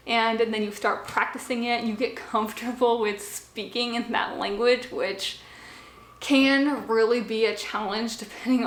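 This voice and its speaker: A woman's voice: fairly high pitch, fairly bright tone, echoey room. A young woman talking to the camera from a small home office, explaining language learning in a casual, chatty way with fillers and asides. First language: English.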